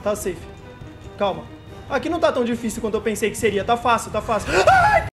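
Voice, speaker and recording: A man's voice: high-pitched, fast, loud music behind the voice. A young man streaming a horror game, panicking, repeating himself and shrieking when scared, shaky and sweating. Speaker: gamer streamer. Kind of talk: horror game let's play commentary.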